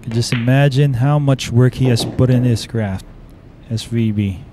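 A man's voice: medium pitch, unhurried. Filipino-accented man calling a pool match. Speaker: pool commentator. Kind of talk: live sports commentary. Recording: noisy live stream audio.

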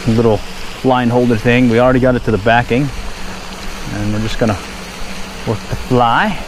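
A man talks his way through a fishing session in an easy, chatty voice at a middling pitch. He is outdoors by a park pond, recorded on a head-mounted action camera, with steady background noise under his voice. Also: moderate pace. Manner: relaxed, chatty, pleased exclamations at each catch. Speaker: fishing vlogger. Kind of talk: casual running commentary while fishing.

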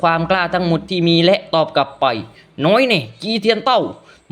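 A man's voice: sits high, smooth. A man retelling a fantasy story as a narrator, polite and loose, often correcting himself. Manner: polite, adds frequent polite particles, loose retelling with self-corrections.

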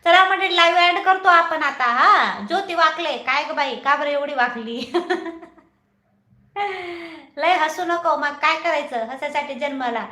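Woman livestream host, high bright voice, unhurried, teasing, laughs a lot, echoey room. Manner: chatty, teasing, laughs often. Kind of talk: casual live chat reading viewer comments.

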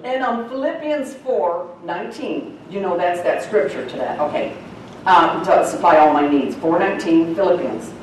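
Chatty woman bible teacher, laughs a lot, big echo, mic kinda far off w/ low hum. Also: lively intonation, normal speed. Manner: folksy, chatty, laughs often. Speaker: church teacher. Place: church sanctuary. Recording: echoey church hall from far off.

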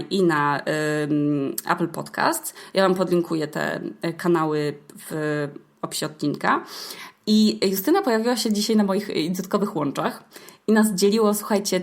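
A young woman hosting a podcast, telling a story casually in slangy, hesitant speech with swearing and many filler sounds. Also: on the low side. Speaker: podcast host.

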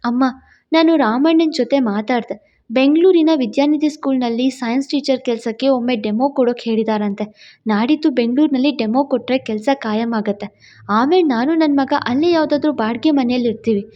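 Woman playing a young single mother, twenties, earnest, pleading, high voice, storybook drama. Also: moderate pace, dull audio, lightly acted. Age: 20s.

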